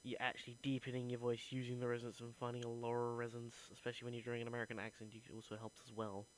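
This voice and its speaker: A young man talks through his week in an earnest, thinking-aloud way. His pitch is mid-range and barely moves. A faint hum sits under the recording. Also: monotone, rapid-fire, rough recording. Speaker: acting student. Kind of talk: reflective voice diary.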